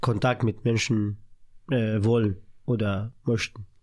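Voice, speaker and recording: A man speaks at a medium pitch with an Arabic accent. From Syria. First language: Arabic (speaking German). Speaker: theatre director. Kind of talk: casual interview. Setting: radio studio. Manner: halting, non-native phrasing.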